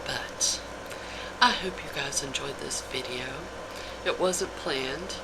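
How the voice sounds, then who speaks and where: A soft-spoken woman whispers casual, confiding gossip to her listeners in a chatty ASMR storytelling style. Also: rumbling low, slow, creaky. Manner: casual, chatty, addresses listeners as "you guys". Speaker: ASMR video creator. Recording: steady loud background hiss and hum.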